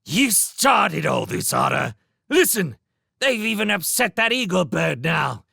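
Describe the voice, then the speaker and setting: A man voices a pair of lazy, boorish rat guards in a storybook reading. The voice is gravelly and husky, with a sharp, edgy brightness and wild swoops in pitch. They bluster and threaten in coarse slang. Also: very animated, unhurried, no room sound, studio quality, heavily acted. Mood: angry. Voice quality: gravelly, rough-edged. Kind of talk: audiobook character voice.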